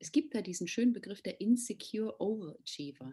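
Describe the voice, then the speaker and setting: A woman with a fairly high pitch and a dark, mellow tone sounds somewhat breathy, her pitch swinging very widely. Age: 40s. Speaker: resilience coach. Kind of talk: interview.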